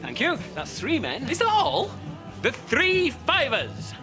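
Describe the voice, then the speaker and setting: A fussy, earnest choir organiser, prim and cheerful. His voice is very high and leaps all over the place, with music under the scene. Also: wildly swooping pitch, slow pace, heavily acted. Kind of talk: TV soap drama acting.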